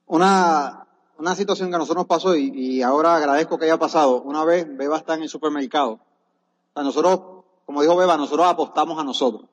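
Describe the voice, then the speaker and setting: A man's voice: a little high, fast. A man giving an earnest motivational testimony on stage at a business seminar, urging the audience on. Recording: dull echoey hall recording.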